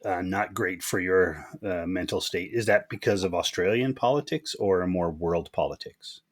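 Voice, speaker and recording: A Canadian man with a slightly husky voice, hosting a podcast and interviewing a guest in a casual, conversational way. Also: low-pitched, moderate pace. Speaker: podcast host.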